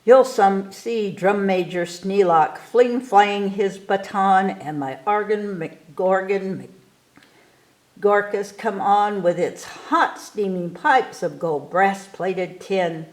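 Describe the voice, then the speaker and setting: A woman reading a rhyming picture book aloud to children in an expressive, theatrical way, stretching key words for emphasis. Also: medium pitch, takes it slowly. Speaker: story time reader.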